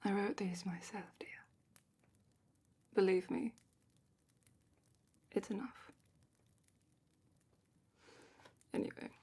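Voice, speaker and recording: A woman playing a weary, wry, slightly superior female official at a dragon academy, in a soft whispered ASMR roleplay. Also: mid-range voice, gravelly, a little hiss or hum. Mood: brisk, condescending. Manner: slow, dry, slightly superior, formal.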